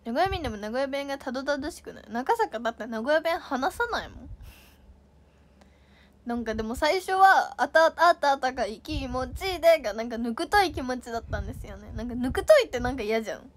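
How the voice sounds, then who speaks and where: Young female idol, high voice, playful and giggly, casual livestream chat with viewers. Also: animated, brisk. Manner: playful and giggly, reads comments aloud and reacts.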